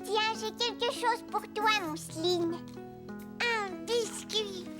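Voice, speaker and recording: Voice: very high voice, music in the background. A performer voicing an eager, curious four-year-old boy in a French children's cartoon. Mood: excited. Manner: childlike, eager, slow simple phrasing.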